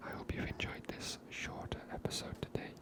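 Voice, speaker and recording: A woman whispers her way through a video game as an ASMR host. Her voice is breathy and unvoiced, and her commentary is chatty and unscripted. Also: brisk.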